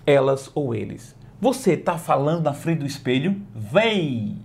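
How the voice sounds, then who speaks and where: Lively, gravelly-voiced male language teacher. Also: a little high. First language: Portuguese. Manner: slow, drawn-out model pronunciations between quick explanations; asks the listener questions and checks in with "né?" and "ok?". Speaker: English teacher. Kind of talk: online language lesson.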